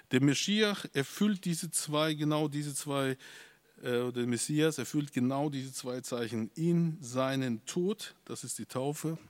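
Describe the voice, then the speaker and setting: A man's voice: medium pitch, no echo. A pastor preaching a sermon to his congregation, emphatic and insistent at times, with hesitant restarts along the way. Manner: emphatic, rising to insistent peaks.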